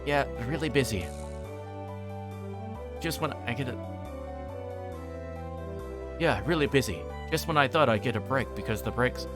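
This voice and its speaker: A man's voice: medium pitch, unhurried, long pauses, music in the background, lightly acted. A man voicing a put-upon, grumbling teenage boy from an anime visual novel, plain-spoken and exasperated. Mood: weary. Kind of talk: amateur visual novel character reading.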